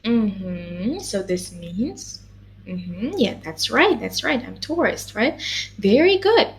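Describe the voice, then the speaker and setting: Patient woman tutor, lively and slow. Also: mid-range voice. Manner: patient, encouraging, lots of mm-hmms and checks. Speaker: language teacher. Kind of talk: one-on-one language lesson.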